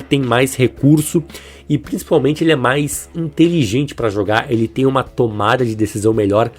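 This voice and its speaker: A man's voice: mid-range voice, a little mellow. A Brazilian man comparing football players in an opinionated, conversational way, with a stuffy nose and a swollen, inflamed throat from the flu. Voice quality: congested, stuffy-nosed, husky. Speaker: football video host. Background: music under the voice.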